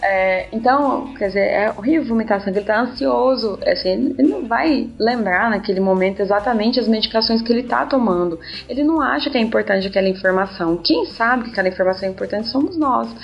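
A fairly high female voice with hardly any pauses, against noticeable background noise. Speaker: emergency physician, podcast co-host. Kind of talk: medical case discussion. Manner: calm, slow and soothing.

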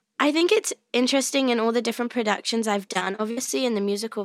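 Speaking very fast in a British accent, a woman uses ordinary pitch variation. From England. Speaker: voice actress. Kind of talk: casual chat.

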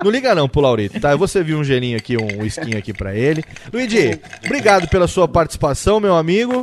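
Amid noticeable background noise, a man talks fairly quickly at a fairly high pitch with very wide pitch swings. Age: 30s. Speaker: podcast host. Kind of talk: casual chat. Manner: animated.

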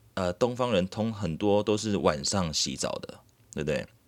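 A very clean recording against a silent background, with ordinary pitch variation. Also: man. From Taiwan. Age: 30s. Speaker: podcast host, entrepreneur. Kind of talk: solo podcast monologue.

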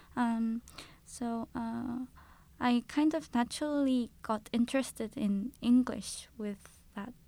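A woman speaks with a fairly high pitch and a dark, mellow tone. Her intonation stays fairly even. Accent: Korean. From South Korea, Gangwon province. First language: Korean. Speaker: university student studying landscape architecture. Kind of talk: casual interview conversation.

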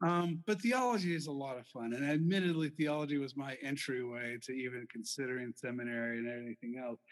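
A man with an American accent has a plain, everyday voice at a medium pitch with ordinary pitch variation. He talks at a fairly quick pace with hardly any pauses. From rural eastern Montana. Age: 40s. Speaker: pastor. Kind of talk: casual chat.

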